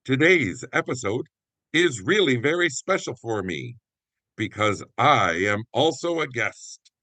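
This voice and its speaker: A man's voice: mid-range voice, big pitch swings, a little slow, sharp tone, no room sound. A man presenting a show in a scripted, announcer-like introduction. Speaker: presenter and guest actor.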